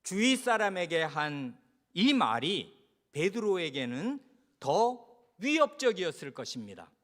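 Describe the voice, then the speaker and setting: Lively high-voiced Korean pastor preaching. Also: male voice, measured pace. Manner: expressive, acts out quoted voices and asks the congregation questions. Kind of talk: expository sermon. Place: church service.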